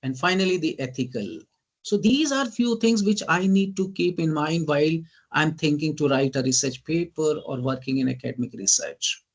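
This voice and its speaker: A man with an Indian English accent, giving an online teaching lecture. He keeps asking "right?" and often says "ladies and gentlemen.". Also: fairly high pitch, normal speed. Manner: lists terms in emphatic bursts. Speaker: guest lecturer.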